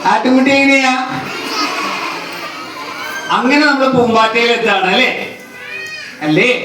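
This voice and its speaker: Woman calling out in an echoing hall. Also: high voice. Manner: calling out questions, repeating them, urging louder answers. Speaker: teacher leading a school welcome event. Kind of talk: coaxing children to answer and sing. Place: large hall full of children. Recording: echoey hall from far off, crowd noise.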